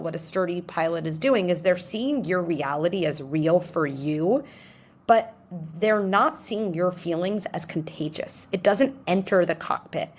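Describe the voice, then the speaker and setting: A woman being interviewed, explaining ideas in an animated way and acting out little scenarios in different voices. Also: fairly low pitch. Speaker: guest psychologist. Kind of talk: interview answers.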